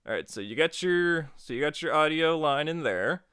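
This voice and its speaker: A man's voice: fairly high pitch, lively intonation, moderate pace, pushed and bright, clean tone, dry recording, clean studio sound. A man narrating a tutorial as its host in an informal, jokey, casual way.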